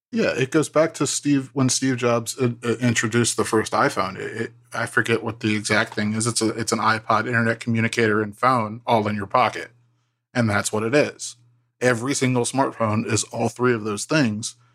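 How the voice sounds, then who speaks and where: With an ordinary speaking voice, a man talks at a fairly quick pace, medium in pitch and fairly even in intonation, on a very clean recording with a silent background. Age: 30s. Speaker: tech writer. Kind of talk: casual chat.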